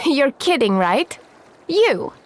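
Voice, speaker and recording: A woman's voice: high voice, very animated, drawn-out words, exaggerated voice. An actress playing a sensible, exasperated female companion in a video game, pointed and sceptical. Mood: incredulous.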